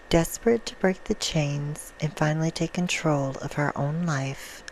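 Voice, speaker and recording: Slow, low-voiced woman playing a vampire storyteller. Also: creaky, darkish tone, a little hiss or hum, full character voice, low-quality recording. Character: female vampire reading a soft bedtime story. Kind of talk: ASMR roleplay storytelling.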